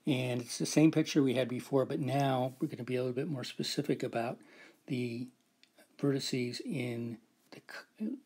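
Husky man explaining a math proof. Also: medium pitch, dark tone. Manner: explains step by step, often adds "right?" and "so". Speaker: lecturer. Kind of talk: recorded whiteboard math lecture.

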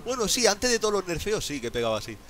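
A man giving excited gameplay commentary as a streamer, exclaiming, laughing and swearing often. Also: sits high, fast. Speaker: gaming streamer.

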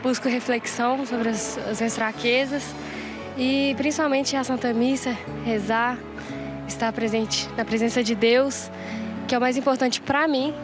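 A woman's voice: fairly high pitch, fairly even intonation, measured pace. A woman in her twenties with a Brazilian Portuguese accent, interviewed outdoors on a street, speaking sincerely into a handheld mic. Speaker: interviewed churchgoer. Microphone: handheld reporter mic. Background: clear music.

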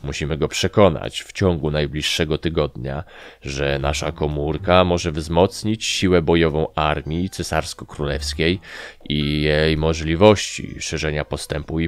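A man voicing a nervous, gloomy army captain in an audiobook, speaking in a sad, weary tone. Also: very deep voice.

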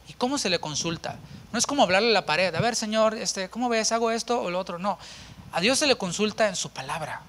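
A man preaches a sermon in a high, forceful voice and fires off rhetorical questions. He is an animated pastor who addresses his listeners directly. He is preaching in a church with no congregation.

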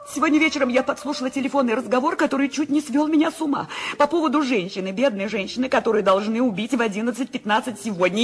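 A woman's voice: fairly high pitch, lightly acted. An actress playing a bedridden wealthy woman, panicky and insistent, pleading on the telephone in a radio play. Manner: panicky, insistent, breaking into whispers. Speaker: Mrs. Stevenson. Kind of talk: 1970s radio play acting. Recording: radio play with background music.

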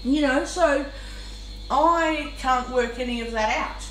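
Woman, higher-pitched, exasperated casual venting while eating; distant, slightly noisy recording. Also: slow, fairly bright tone, soft background music. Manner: talking while eating, mouth sometimes full; exasperated, complaining. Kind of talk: venting monologue, casual spoken vlog. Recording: roomy, noisy, far from the mic.

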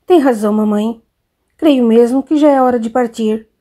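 A woman's voice: a little high, normal speed, dark tone, close to an everyday voice. A woman voicing a sulky, restless young man in an audiobook, giving curt, defensive replies. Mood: weary.

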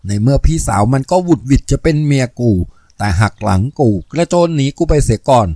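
A man's voice: mid-range voice, lively intonation, a little fast, mellow, no room sound, studio quality, natural voice. A man voicing a scheming, lustful gangster boss in a spoken novel, sly and complaining. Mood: resentful.

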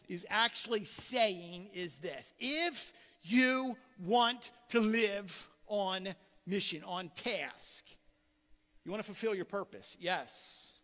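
A man's voice: very high-pitched, pushed and bright, in a large hall. A male pastor giving a conversational sermon, often repeating words and acting out quoted voices. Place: church sanctuary.

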